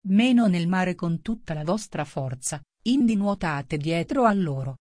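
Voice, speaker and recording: A brusque, bossy gryphon barks out dance steps in a brisk storybook voice, as a woman reads him. Her voice sits on the low side, close and dry. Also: expressive, a little mellow, dry recording.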